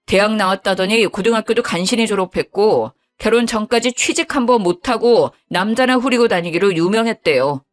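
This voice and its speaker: A woman's voice: mid-range voice, a little fast, hardly any pauses, soft background music. A woman in her fifties narrating a dramatic first-person story in an indignant, gossipy way. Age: 50s.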